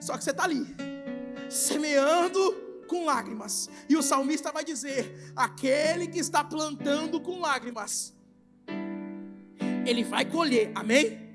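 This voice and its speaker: A Brazilian man preaching an impassioned sermon in a very high voice. He shifts from shouting to quiet, pleading appeals. Soft instrumental music plays faintly underneath. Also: a little slow. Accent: Brazilian Portuguese. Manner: swings between shouting and hushed, intimate pleading. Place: large retreat hall with a congregation.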